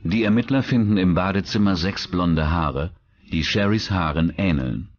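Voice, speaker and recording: A man's voice: low-pitched, moderate pace, no room sound, muffled recording. A man reading scripted narration for a true-crime documentary.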